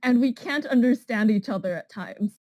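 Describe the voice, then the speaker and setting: A woman's voice: a little high, moderate pace, dry recording, lo-fi sound. A young woman with a Canadian accent co-hosting a casual podcast, answering with dry quips. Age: young adult. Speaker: podcast co-host.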